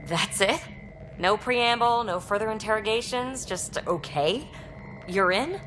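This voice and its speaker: A woman voicing an eager, impulsive young alien explorer in a video game, chatty and excitable. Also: mid-range voice, a little slow, soft background music, low-quality recording. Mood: excited, eager. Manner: chatty, excitable, self-justifying. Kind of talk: video game cutscene acting.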